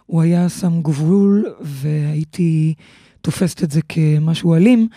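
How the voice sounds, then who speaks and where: A woman's voice: sits low, dark tone, dry recording, clean studio sound. A woman in a casual podcast chat, asking questions and sharing her thoughts hesitantly. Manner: inquisitive, hesitant, with fillers.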